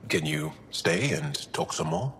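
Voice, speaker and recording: An actor playing an earnest, proud, gently wry alien warrior in a video game, speaking in a measured, sincere way. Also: male voice, deep voice, lively intonation, a little hiss or hum. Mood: warm, wry. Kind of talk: video game cutscene acting.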